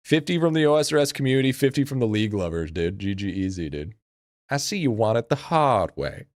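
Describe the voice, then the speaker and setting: A man's voice: mid-range voice, big pitch swings, brisk, no echo, studio quality. A man livestreaming in casual chat with a slangy, profane frat bro manner. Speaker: live streamer.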